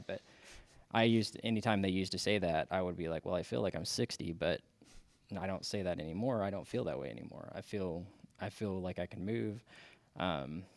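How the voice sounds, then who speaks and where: Forties male guest, gravelly low voice, halting storyteller, dry close recording. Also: no echo. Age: 40s. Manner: halting, many restarts and fillers. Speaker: podcast guest. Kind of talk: casual interview chat.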